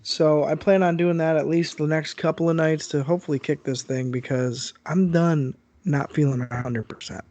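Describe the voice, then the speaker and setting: A man's voice: on the high side, fairly even intonation, normal speed, hardly any pauses, darkish tone, highs cut off. A man co-hosting a podcast, chatting casually and animatedly while congested with a sore throat, on his own microphone over an internet call. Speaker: podcast co-host. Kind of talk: casual chat.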